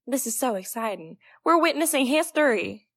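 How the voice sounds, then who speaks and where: A woman playing an excitable, hopeful and curious young adventurer in an audio drama. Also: sits high, moderate pace, dry recording, clean studio sound, exaggerated voice. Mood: excited.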